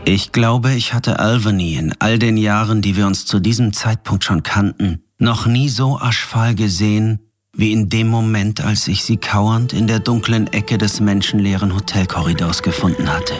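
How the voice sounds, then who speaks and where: Man as calm, lowish-voiced companion and narrator. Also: moderate pace, lightly acted. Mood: sombre narration. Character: steady, caring male companion and narrator of a ghost investigator. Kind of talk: German audio drama acting and narration. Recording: clear music behind the voice.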